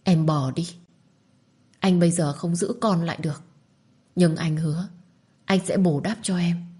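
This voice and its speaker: A woman's voice: fairly low pitch, steady tone, measured pace, breathy edge. Woman voicing a young man, torn, guilty, pained, subdued, storybook drama. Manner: pained, pleading softly.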